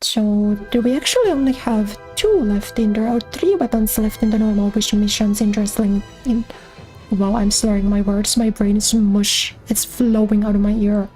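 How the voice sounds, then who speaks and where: A young woman streamer with a mid-range, dark-toned voice chats casually while she plays, speaking at a moderate pace with few pauses. She thinks aloud about missions and thanks subscribers, with faint music in the background.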